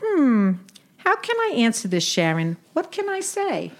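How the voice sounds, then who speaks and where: Woman voicing a wry older sister, sarcastic, bright high voice, lively. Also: a little slow, full character voice. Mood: wry teasing. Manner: sarcastic, teasing. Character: wisecracking older Brooklyn woman, teasing sister. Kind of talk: comic audio drama.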